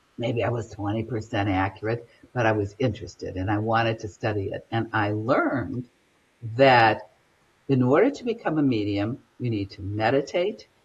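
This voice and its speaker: Somewhat breathy and very deep, a woman's low voice moves at a moderate pace with ordinary pitch variation. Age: 70s. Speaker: spiritual medium. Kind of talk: interview storytelling.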